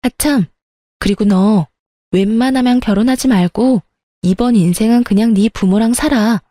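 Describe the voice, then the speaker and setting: A woman plays a sharp-tongued young woman in a narrated story, her raised voice blunt and scornful. The sound is mellow and dry, close to the mic. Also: a little high, moderate pace, no room sound, natural voice.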